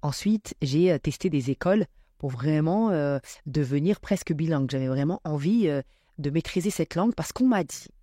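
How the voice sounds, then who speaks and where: A woman speaking as a podcast guest, reflecting on spiritual matters with many pauses and fillers. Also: low voice, lively intonation, mellow, no room sound, studio quality.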